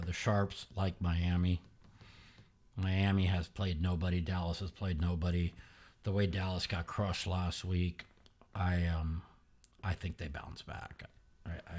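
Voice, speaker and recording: A man hosting a podcast in casual sports betting talk, sluggish and halting, with many fillers and restarts, sometimes speaking quietly. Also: deep voice, slightly rough. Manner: talks quietly at times. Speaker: podcast host.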